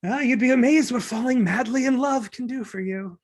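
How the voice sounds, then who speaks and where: Romantic comedy lead, man acting: glib, argumentative young man, husky fry-laden voice, very lively delivery. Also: extremely high pitch, fairly quick. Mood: opinionated, cynical. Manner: glib, opinionated, rambling justifications. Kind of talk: table read of romantic comedy script.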